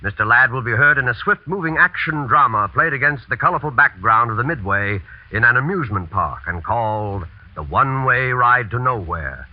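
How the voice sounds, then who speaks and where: A man announcing a 1940s radio drama's credits and next week's show in a formal, measured style. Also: medium pitch, animated. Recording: muffled 1940s radio broadcast with music.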